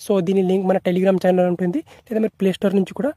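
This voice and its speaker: A man's voice: sits high, flat delivery, rapid-fire, mellow, dry recording, studio quality. A man narrating an app tutorial in a repetitive, instructional way, mixing in English tech terms.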